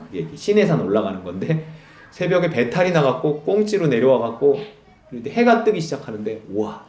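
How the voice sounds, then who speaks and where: A man's voice: mid-range voice, reverberant. A man preaching a Sunday sermon as pastor, telling stories and acting out quoted dialogue, with frequent laughs. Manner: animated storytelling, acts out quoted dialogue, laughs often. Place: church sanctuary.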